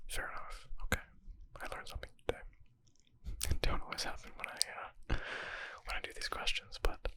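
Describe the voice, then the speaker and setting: A man speaks entirely in a breathy whisper with no voiced tone, bright and airy. It is an ASMR reading mixed with casual, murmured commentary, as if he is thinking aloud. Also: moderate pace. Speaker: ASMR creator reading and answering medical exam questions.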